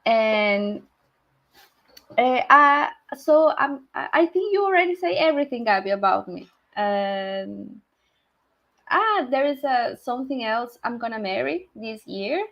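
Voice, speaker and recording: Slow, halting Peruvian Spanish-accented woman. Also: fairly high pitch, expressive, vocal fry, highs cut off. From Peru. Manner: halting, many fillers and restarts, laughs often. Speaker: community member. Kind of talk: casual self-introduction.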